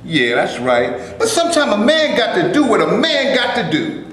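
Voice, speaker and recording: An actor in a staged reading playing an earnest, heated Black actor from the 1930s who wants justice. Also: male voice, high voice, wildly swooping pitch, moderate pace, fairly bright tone, full character voice. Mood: indignant. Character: Black male actor in the 1930s, indignant and determined. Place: stage before a live audience. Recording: very echoey room, faint noise.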